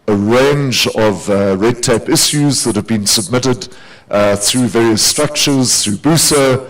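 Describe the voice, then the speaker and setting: Low gravelly voice guy, panel speaker, lots of uhs, calm update. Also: low-quality recording. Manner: steady explanatory, many "uh" fillers. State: gravelly voice from overuse. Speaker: panelist, program team leader. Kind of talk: conference panel remarks. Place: conference hall.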